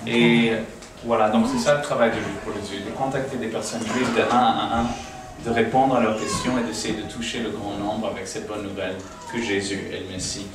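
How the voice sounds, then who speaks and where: A man from the United States speaks informally to a small congregation in a living room used as a home church, hesitating with many fillers and restarts. His voice is on the low side, flat and fairly quick, with few pauses. He speaks through a small PA, recorded by a distant camera in an echoey room with audible noise.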